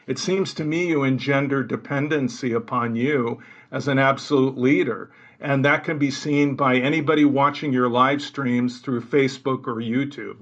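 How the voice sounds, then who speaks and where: A man on a talk show panel presses his case through deliberate questions and frequent restarts. His voice is mid-pitched. The recording is dull and lo-fi. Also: fairly even intonation, a bit bright. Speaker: panel guest, critic.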